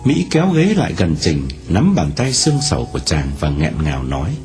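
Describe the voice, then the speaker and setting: A man narrating a novel aloud in an expressive storytelling manner. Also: a little fast, over music. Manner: expressive storytelling with wide swings in pitch.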